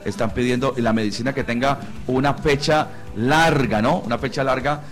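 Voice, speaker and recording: A man's voice: medium pitch, normal speed, soft background music. Colombian man hosting Christian morning radio. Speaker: radio show host. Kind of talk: live Christian radio talk.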